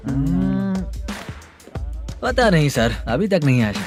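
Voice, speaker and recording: An eager, fawning carrom champion in a dubbed film, high and swooping, drawled slowly. Film music runs clearly behind. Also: male voice, very animated. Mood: servile. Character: eager young male carrom hall owner. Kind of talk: Hindi film dubbing.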